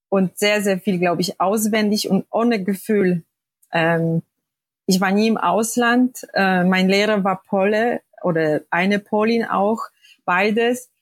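Husky Polish-accented woman in her forties. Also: medium pitch, no room sound. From Poland. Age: 40s. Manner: hesitant, many fillers. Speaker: podcast guest. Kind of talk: personal interview.

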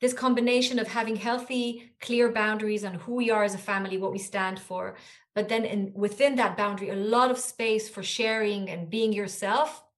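A woman whose first language is Hebrew, speaking English as a podcast guest. She talks earnestly and thoughtfully, often restarting her sentences, at an ordinary middling pitch. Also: fairly even intonation, normal speed. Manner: earnest, reflective, with many restarts and fillers. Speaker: guest author. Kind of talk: podcast interview conversation.

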